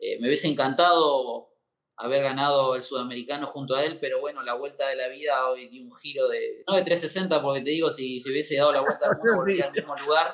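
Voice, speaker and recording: Fairly quick and fairly high for a man, this is an unremarkable speaking voice with fairly even intonation and big swings in loudness. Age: 30s. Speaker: steeplechase athlete. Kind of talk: casual interview.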